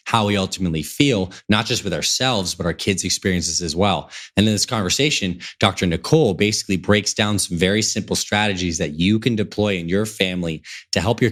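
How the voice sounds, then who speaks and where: A man hosting a podcast with effusive, informal enthusiasm, his voice slightly raspy, tired and sniffly. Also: lowish voice, a bit bright. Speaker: podcast host.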